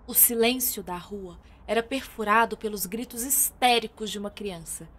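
A woman's voice: medium pitch, fairly bright tone, a little hiss or hum. Brazilian woman narrating a radio drama. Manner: theatrical, with deliberate dramatic pauses.

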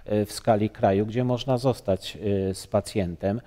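Man, 50s, studio guest, mellow voice, halting delivery, reverberant set. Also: on the low side, steady tone. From Poland. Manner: halting, many fillers and restarts. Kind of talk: studio interview. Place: bright TV studio, seated on sofa.

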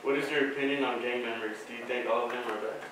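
A man runs a classroom mock jury questioning, pausing with fillers between questions. His voice is heard from across an echoey lecture hall. Steady background noise sits under it. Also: medium pitch. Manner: hesitant, filler-heavy questions. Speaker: student questioning mock jurors. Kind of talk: classroom role-play questioning. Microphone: far camera. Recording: echoey hall from far off, noisy.

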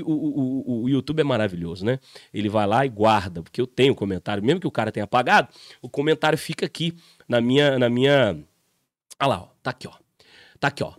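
A man giving a casual commentary monologue to his viewers, telling a story in an animated way and talking to them directly. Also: medium pitch, no echo, studio quality. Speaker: YouTube commentator.

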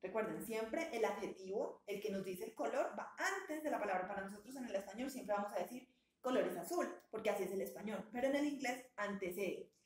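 A woman's voice: medium pitch, animated, brisk. A woman teaching an English lesson. She is patient and encouraging and stretches out words to model their pronunciation. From Colombia. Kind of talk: bilingual language lesson. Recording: echoey room sound.

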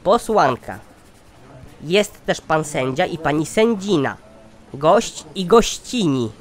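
This man's voice sits on the high side with lively intonation, and he takes his time. He's voicing a scheming, pompous chairman in a satirical cartoon, formal and sardonic, lecturing with obvious exasperation.

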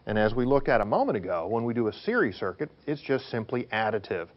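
A man's voice: on the low side, sing-song, quick pace, highs cut off. A man teaching as a technical instructor, explaining worked examples step by step in an emphatic, didactic way, often posing questions and answering them.

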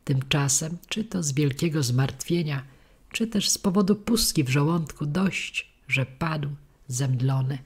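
Husky-voiced woman reading a children's story. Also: deep voice, unhurried, darkish tone. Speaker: audiobook reader. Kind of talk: storybook narration.

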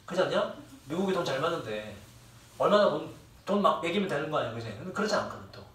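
Young man, teacher, rambling and profane, slightly high voice, distant mic, echoey classroom. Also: very animated, fast talker, fairly bright tone. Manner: swearing, rambling, joking with students. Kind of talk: classroom lecture. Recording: echoey room, distant mic, faint ambience.

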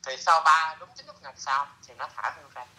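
A middle-aged man tells a story in a casual, lively way, his voice very bright and a little high. He drops into broken English phrases as he talks. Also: fast talker, poor audio. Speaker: interviewee.

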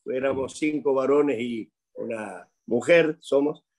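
A man's voice: medium pitch, slow, a little mellow. An older man from Corrientes with an Argentine Spanish accent, a pastor talking cheerfully over a video call from home, chuckling and restarting his sentences. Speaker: pastor, guest. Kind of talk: video-call interview, storytelling. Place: home room with plants.

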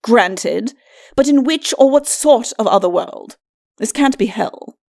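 A haughty skeleton lord from a storybook, acted out by a woman, bickering with mocking disdain. The pitch moves widely through archaic, aristocratic phrasing, and it sits on the high side for the reader. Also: animated, a little slow, creaky, darkish tone. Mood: mocking, sardonic. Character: bickering, sneering undead skeleton lord, a husband. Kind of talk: storybook character acting.

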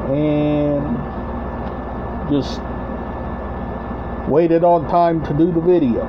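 Speaking slowly and haltingly, a middle-aged man shows off items on his collection channel in a casual, rambling vlog. His pitch is fairly high and his intonation fairly even, delivered in short broken phrases with repetition. He's indoors in a small room at home, recorded with dull lo-fi webcam-like audio and noticeable background noise.

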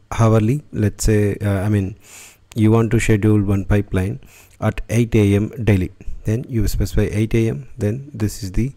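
A man hosting a screen-recorded software tutorial, talking it through unscripted with many fillers and restarts. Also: lowish voice. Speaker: tutorial host.

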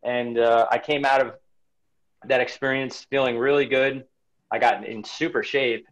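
This interview guest, a runner in his forties, talks reflectively about his life on a casual video call from his home, frequently starting over and repeating himself. Heard through a webcam with the highs cut off, his mid-range voice stays fairly even at a measured pace.

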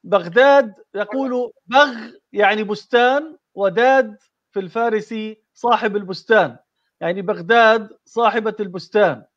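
A man hosting a live quiz, explaining the answers in a measured way. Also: high voice, lo-fi sound. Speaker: quiz host reading answers.

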